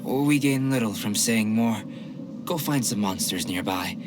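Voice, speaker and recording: A man playing a calm scholarly alchemist. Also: lowish voice, close to an everyday voice. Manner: measured, formal, analytical. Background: game music.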